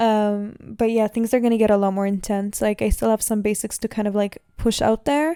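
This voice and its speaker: A woman speaks at a fairly quick pace in a dark, mellow tone with fairly even intonation. The sound is dry and close with no echo. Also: fairly high pitch for a woman, hardly any pauses, very clean recording, silent background. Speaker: YouTuber giving dating advice. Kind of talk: casual advice monologue. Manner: fast.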